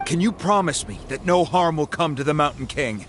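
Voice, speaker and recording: A man's voice: a little high, lively intonation, normal speed, a bit bright, faint music behind. A man voicing a worried, protective tribal chief who pleads earnestly in a video game. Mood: pleading. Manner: earnest, alarmed.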